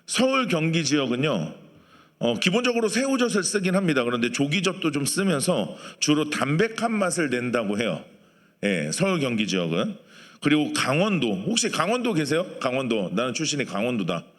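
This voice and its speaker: In a church sanctuary with long, echoing hall reverb, a pastor preaches conversationally, putting questions to the people in the pews. His voice sits on the high side and sounds very animated, a bit bright, and a little fast.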